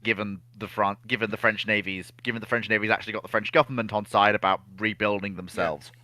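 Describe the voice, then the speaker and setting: A man in a casual history chat, explaining things in an animated, opinionated way. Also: fairly low pitch, fast talker, no echo. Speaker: naval history discussion panelist.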